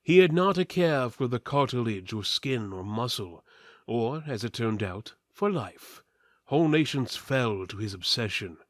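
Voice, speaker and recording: A man's voice: mid-range voice, expressive, measured pace, no echo. A man giving a portentous, mock-serious dramatic reading of an epic fantasy story. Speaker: narrator, reader.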